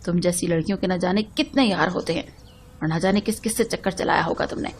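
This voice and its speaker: A woman's voice: on the low side, quick pace, slight background noise, natural voice. Woman reading as a jealous husband, furious, accusing, storybook. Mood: angry. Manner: shouting, accusing.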